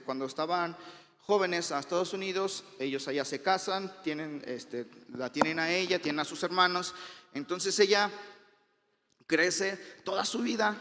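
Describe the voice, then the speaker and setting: Man, Mexican Spanish accent, preacher, high-pitched, conversational sermon, reverberant hall. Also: a bit bright. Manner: conversational, many fillers and restarts. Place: church hall.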